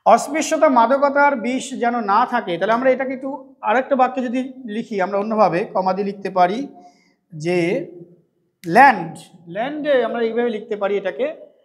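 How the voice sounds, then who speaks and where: A male English teacher at a coaching centre from West Bengal, giving a classroom lecture on translation. He asks and answers his own questions and slows down to dictate English sentences word by word. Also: extremely high pitch.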